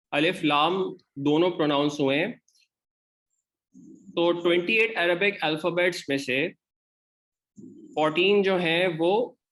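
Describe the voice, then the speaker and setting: In an online Arabic grammar lecture, a man speaks in a voice that is a little high and a bit bright, with a Pakistani Urdu accent. His explanations proceed step by step, and he repeats example words.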